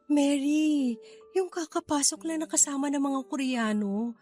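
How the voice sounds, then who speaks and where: Radio drama role: young KTV hostess, high voice, proud and defensive, faint music underneath. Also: female voice, unhurried, dark tone. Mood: anxious. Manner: emotional, defensive, firm. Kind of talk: Tagalog radio drama acting.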